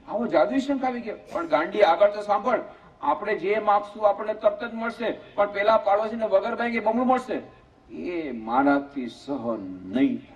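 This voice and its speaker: A male monk giving a storytelling sermon in a community hall, animated and quick to act out voices. His voice sits high. The recording is dull and lo-fi, picked up on a PA microphone. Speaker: monk, head of an ashram. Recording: muffled lo-fi lecture recording.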